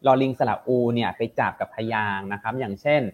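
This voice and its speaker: A man's voice: lowish voice, fairly even intonation, fast, muffled recording. A man co-hosting a casual talk show, explaining in a chatty, informal way and thinking aloud. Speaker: co-host. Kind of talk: casual discussion podcast.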